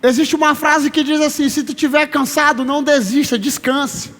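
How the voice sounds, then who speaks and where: A man in his thirties preaching a sermon as pastor, emphatic, slowing down to stress his words and calling listeners brother. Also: very high voice, steady tone, fairly bright tone. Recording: long reverb of a large hall.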